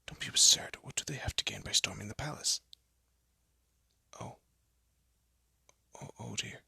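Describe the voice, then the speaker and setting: A man acts out a haughty young elf prince in a fantasy audio roleplay. His voice is sharp, crisp-edged and very breathy, often sinking toward a whisper. He speaks in formal, pompous phrases, prickly on the surface with a soft heart underneath. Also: fairly low pitch, normal speed, no room sound, clean studio sound, full character voice. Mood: dismayed, grave. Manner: pompous, formal, flustered stammering.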